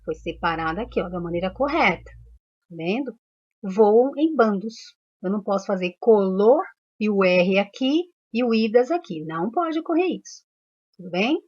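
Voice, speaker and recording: A woman's voice: medium pitch, lively intonation, moderate pace, a little mellow. Female primary teacher, Brazilian Portuguese accent, patient step-by-step explainer, muffled recording. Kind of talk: recorded class lesson.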